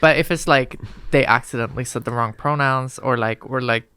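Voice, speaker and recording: A woman's voice: very deep voice, a little fast, a bit bright, smooth. A young woman co-hosting a podcast, chatting casually and laughing often, with lots of fillers. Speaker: podcast co-host. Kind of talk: casual chat.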